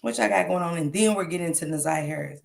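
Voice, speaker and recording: A woman's voice: on the low side, quick pace, gravelly. A woman with a stuffy nose hosting a casual livestream, chatting straight to her viewers with lots of ums. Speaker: true crime commentary host.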